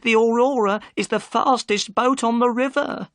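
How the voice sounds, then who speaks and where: Guy putting on a frantic high teary wife voice, storybook reading, dry close sound. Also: steady tone, moderate pace, dry recording. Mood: worried. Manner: high, shaky, pleading. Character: upset middle-aged boatman's wife, tearful.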